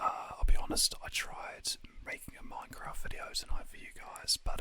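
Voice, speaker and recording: Whispering at a fairly quick pace with a New Zealand accent, a man speaks over noticeable background noise. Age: young. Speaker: ASMR creator. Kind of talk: ASMR casual chat to camera. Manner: whispered.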